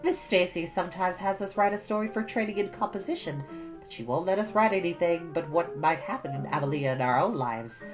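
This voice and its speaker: A woman's voice: on the low side, brisk, lightly acted. A woman voicing a thoughtful, earnest fifteen-year-old girl from a storybook, reflective and dreamy. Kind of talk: storybook character dialogue. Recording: dull audio over soft guitar music.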